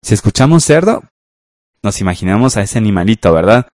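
A man, teaching a radio school language lesson in a patient, slow way and often checking in with listeners. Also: lowish voice, big pitch swings, darkish tone, no room sound, studio quality.

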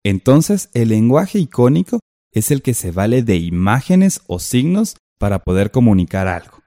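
A man's voice: medium pitch, very animated, moderate pace, mellow, no room sound, studio quality. A man co-teaching a textbook lesson, explaining step by step and posing questions to the listener.

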